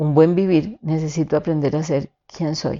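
A woman's voice, very deep and low in pitch. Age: 60s. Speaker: podcast host. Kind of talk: solo monologue.

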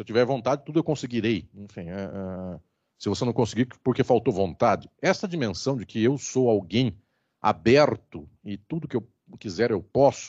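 A man with an unremarkable speaking voice, medium pitch, and moderate pace. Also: lively intonation. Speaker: law and philosophy professor. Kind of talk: lecture. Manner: formal.

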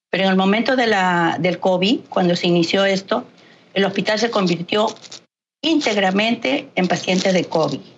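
At a moderate pace, a woman uses an ordinary speaking voice of medium pitch with ordinary pitch variation. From Peru. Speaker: hospital cleaning worker. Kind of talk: interview.

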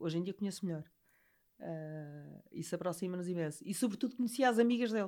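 This woman's voice is fairly low in pitch, dark and mellow in tone, with lively intonation. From Portugal, Azambuja. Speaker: bereaved mother and cancer survivor. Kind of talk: interview, personal testimony.

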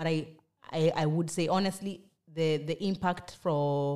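In a very deep, low pitch, a woman talks with a dark, mellow tone. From Kenya. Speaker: podcast host. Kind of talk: casual interview chat.

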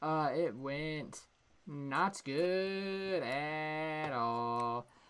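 This man's voice sits at a fairly high pitch. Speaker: podcast co-host, student. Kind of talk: casual chat.

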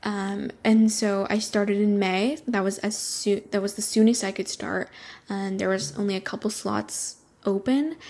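A woman's plain, everyday voice with an American accent, medium pitch, ordinary pitch variation, and a moderate pace. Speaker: esthetician and podcast host. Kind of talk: casual solo chat.

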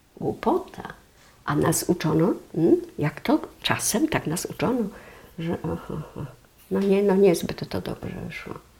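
A woman at a very slow pace, with long, frequent pauses over noticeable background noise. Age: 70s. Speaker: opera singer and voice teacher. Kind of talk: interview. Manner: animated.

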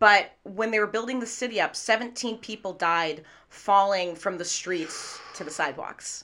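In an American accent, a woman speaks at a moderate pace with hardly any pauses, medium pitch, ordinary pitch variation and a bright, sharp tone. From US Pacific Northwest, Redmond near Seattle. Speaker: actor, paranormal podcaster and ghost tour guide. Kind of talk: casual interview chat.

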